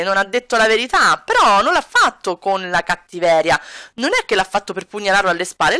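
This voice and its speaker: A woman's voice: on the high side, pushed and bright, dry recording, clean studio sound. A woman narrating a life-sim game in casual commentary, chatty and explaining, often addressing her viewers directly. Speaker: let's play narrator.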